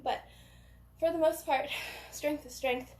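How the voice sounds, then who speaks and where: A woman's voice: high voice, steady tone, a little slow, a little mellow. A woman coaching a gymnastics workout in a casual, self-deprecating way, out of breath from exertion. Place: indoor gym. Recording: echoey gym, roomy sound.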